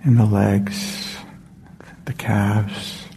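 A man leading a guided meditation in a meditation hall, speaking slowly and softly with long pauses. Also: fairly low pitch, little pitch movement, whispered. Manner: slow, soft, with long pauses. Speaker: meditation teacher.

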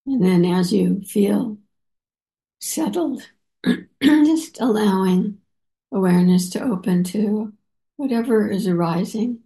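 A woman meditation teacher leading a guided meditation, unhurried and halting, with many soft pauses and fillers. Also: medium pitch, poor audio. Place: meditation center.

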